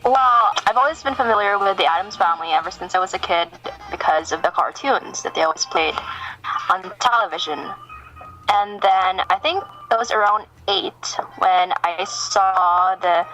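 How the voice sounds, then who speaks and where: A woman's voice: mid-range voice, normal speed, sharp tone, soft background music. A young woman answering as a guest in a conversational interview, on a dull lo-fi recording.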